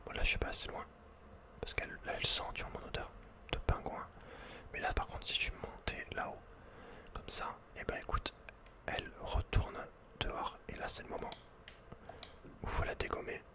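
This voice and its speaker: A man whispering casual, slangy, playful game commentary in a breathy ASMR style, close to the microphone. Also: normal speed, long pauses. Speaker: ASMR video game player.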